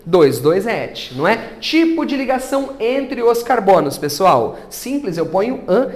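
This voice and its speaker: A man with a Brazilian Portuguese accent teaching a chemistry class, asking his students questions and then answering them himself. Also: sits high. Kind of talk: classroom lecture.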